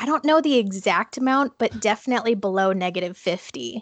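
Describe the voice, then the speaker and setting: A woman with an American accent uses an ordinary speaking voice at a moderate pace with lively intonation, recorded with a dry, close sound and no echo. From Minnesota, US. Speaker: life coach. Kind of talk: casual interview. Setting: remote call.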